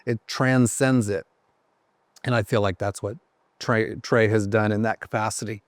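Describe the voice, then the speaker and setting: A man's voice: lowish voice, fairly even intonation, normal speed, dry recording. A man guesting on a podcast, telling rambling, self-deprecating stories about his career with lots of fillers. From Ohio. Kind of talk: casual podcast chat.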